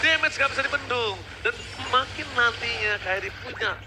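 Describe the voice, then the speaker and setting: An Indonesian-accented man working as an esports caster, giving excited, dramatic and emphatic play-by-play commentary. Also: extremely high pitch, normal speed, noisy background. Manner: dramatic, emphatic, asks and answers own questions.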